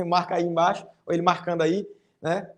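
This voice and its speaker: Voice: mid-range voice, level tone, brisk. A teacher with a Brazilian Portuguese accent giving a recorded online class to young pupils. The teacher explains step by step, often ends phrases with a tag question, and reads out example lines with exaggerated intonation.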